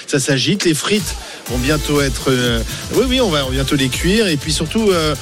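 A man's voice: on the high side, lively intonation, normal speed, music in the background. A man co-hosting a radio talk show, explaining off the cuff and hesitantly repeating words. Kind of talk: unscripted explaining and chat. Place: exhibition hall stand at an agricultural fair.

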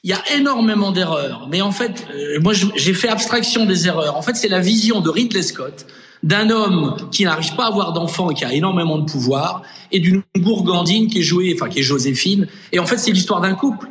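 A high-voiced man talks eagerly over a remote link, restarting his sentences as he goes. His voice rings with the long echo of a large room heard through the call. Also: animated, brisk, fairly bright tone. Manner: enthusiastic, stumbling restarts. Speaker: guest on video link. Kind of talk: remote interview.

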